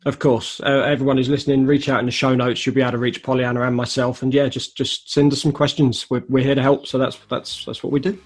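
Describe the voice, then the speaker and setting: A man hosting a podcast, his voice slightly croaky, talking in a chatty, upbeat way. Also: medium pitch, flat delivery, fast, few pauses. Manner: chatty, upbeat, friendly promotional. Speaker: podcast host. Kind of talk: casual solo wrap-up talk.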